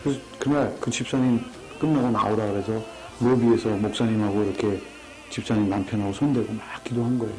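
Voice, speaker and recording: A man's voice: steady tone, fairly quick, mellow, soft background music, rough recording. Man giving an earnest church testimony. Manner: earnest storytelling, voice drops low in sad moments. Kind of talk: emotional testimony.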